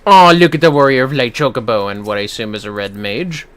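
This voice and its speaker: A man's voice: medium pitch, fast, fairly bright tone, clear, resonant tone, faint music behind. A man giving casual, sweary and reactive commentary while livestreaming a video game.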